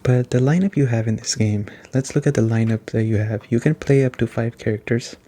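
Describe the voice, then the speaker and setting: A man giving a soft-spoken, casual ASMR-style video game review in a conversational way. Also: mid-range voice, brisk, slight background noise.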